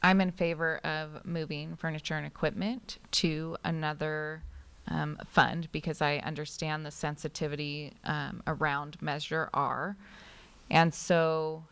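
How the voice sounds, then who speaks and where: A woman's voice: low-pitched, little pitch movement, unhurried, vocal fry, a bit bright, clear, resonant tone. A woman stating her position in careful, hesitant phrases as a council member in a public meeting.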